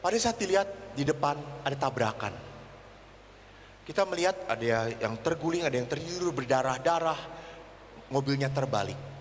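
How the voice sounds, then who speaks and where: A man's voice: medium pitch, lively intonation, moderate pace, pauses often. A male Catholic priest giving a sermon, telling funny stories and acting out voices. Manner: humorous anecdotal storytelling. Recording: reverberant hall with faint noise.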